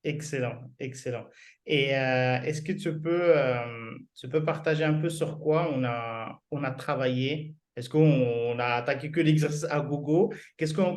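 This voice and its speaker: A man, a fitness coach, interviews a former client in a casual chat. He sounds encouraging and often restarts his long questions. His voice sits at an ordinary middle pitch.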